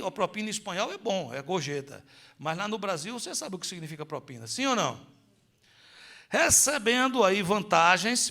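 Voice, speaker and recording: A middle-aged pastor preaching a sermon in a lively, swooping voice pitched a little high, with a gravelly edge on it. He keeps throwing rhetorical questions at the congregation and drifts into stories along the way.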